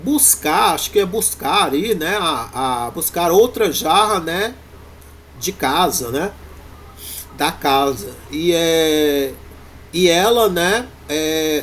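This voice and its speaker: A man with a Brazilian Portuguese accent, teaching a university Greek class in a halting way, full of fillers and restarts. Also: fairly high pitch, fairly bright tone, a little hiss or hum. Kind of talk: classroom lecture.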